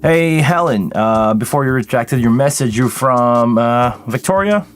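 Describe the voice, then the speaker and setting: Hosting a casual livestream Q&A, a Quebec-born live sound engineer addresses viewers by name over soft background music. He sounds tired, his voice deeper than normal this morning, yet his medium-pitched delivery is lively and measured in pace.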